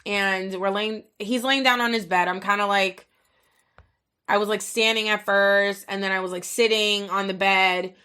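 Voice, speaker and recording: Bright-voiced, profane woman podcaster storytelling. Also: medium pitch, moderate pace, smooth. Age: 30s. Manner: rambling, profane, filler-heavy, animated retelling with quoted voices. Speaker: podcast host. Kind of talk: casual storytelling monologue.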